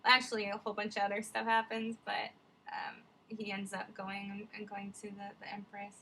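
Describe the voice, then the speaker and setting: A woman's voice: mid-range voice, completely flat delivery, fairly quick, bright, forceful tone, a little hiss or hum, poor audio. A woman vlogger musing in casual, rambling reflective commentary, digressing often with many fillers.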